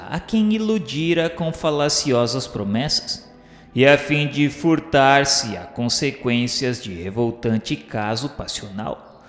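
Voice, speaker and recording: Male narrator, unhurried, solemn dramatic delivery, literary radio novela style, heavy echo, music underneath. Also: medium pitch. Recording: echoey, long reverb, music behind.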